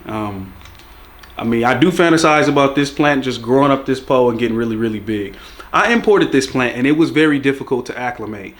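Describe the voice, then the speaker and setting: A man's voice: medium pitch, fairly bright tone. A young man with a congested voice, recovering from a cold, chatting casually to his regular viewers in a laid-back, joking way. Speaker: plant vlogger. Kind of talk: casual video chat about plant care.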